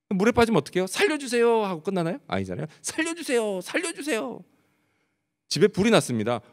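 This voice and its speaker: In a church sanctuary with long hall reverb, a man with a slightly high, husky voice preaches as pastor, posing rhetorical questions to the congregation and then answering them.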